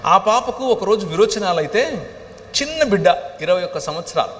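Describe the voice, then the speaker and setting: A man's voice: high voice, big pitch swings, brisk, a bit bright. A middle-aged man, a pastor, giving an impassioned sermon testimony that swells at times into cries. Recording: reverberant hall, faint ambient noise.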